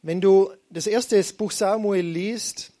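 A man's voice: high voice, fairly even intonation, slow, mellow. A middle-aged man preaching a sermon, retelling scripture in a conversational, storytelling manner.

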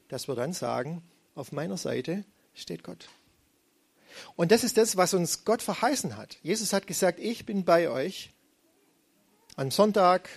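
A man's voice: high voice, animated, a little slow, creaky, long pauses, breathy edge. A middle-aged man preaching a sermon, retelling scripture in a conversational, storytelling manner.

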